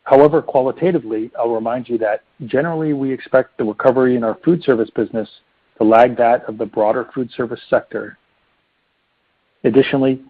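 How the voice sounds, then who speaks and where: A man's voice: medium pitch, slightly rough, no echo. Formal man reading on a thin phone line. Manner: formal, measured, reading from prepared remarks. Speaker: company finance executive presenting results. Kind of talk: scripted earnings report narration. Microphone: telephone conference line. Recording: muffled narrow phone-line conference call.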